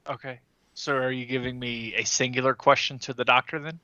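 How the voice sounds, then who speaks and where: A man's voice: mid-range voice, fairly even intonation, brisk, sharp tone, no echo, muffled recording. A man playing in a tabletop game, asking short matter-of-fact questions. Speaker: player. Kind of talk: casual table talk.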